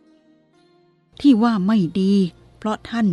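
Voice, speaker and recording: A woman voicing a calm, blunt elderly abbot who speaks plainly and firmly. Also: no room sound, faint music behind, lightly acted. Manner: plain-spoken, firm, unhurried.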